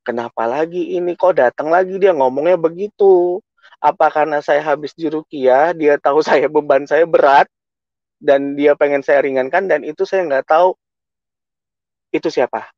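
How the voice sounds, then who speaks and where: A man's voice: a little high, normal speed, dry recording, muffled recording. A man giving an emotional personal testimony to a congregation, telling his story earnestly and acting out what he said. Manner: earnest, emotional storytelling with many self-quotes.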